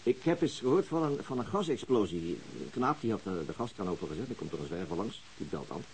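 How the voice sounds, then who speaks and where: A man's voice: fairly low pitch, big pitch swings, fast, a little mellow, poor audio. A man acting a pragmatic, weary police detective in a radio drama, colloquial and dry. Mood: easygoing. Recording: faintly hissy old radio recording.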